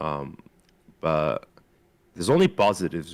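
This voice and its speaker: This man has a North African accent. His pitch is very deep and low. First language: Berber. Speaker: streamer. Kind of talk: casual chat.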